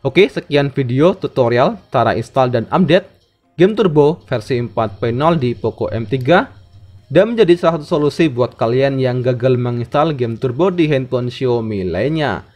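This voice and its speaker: A man's voice: mid-range voice, animated, moderate pace, a little mellow. A man hosting a tech tutorial in methodical, scripted narration. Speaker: tech channel host. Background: background music.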